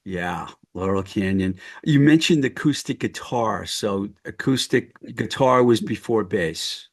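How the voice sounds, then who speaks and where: A man's voice: on the low side, measured pace. A man hosting a podcast interview over a video call, an eager fan who often restarts his questions. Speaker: podcast host. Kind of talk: casual interview.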